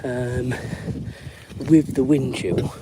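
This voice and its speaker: A man in his forties from the London area with an English accent and a raspy voice, hosting a live chat while walking his dog outdoors and breaking off to call her along. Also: medium pitch, fairly even intonation, very slow. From England. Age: 40s. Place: outdoors on a windy street. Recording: windy outdoor phone recording. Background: wind noise.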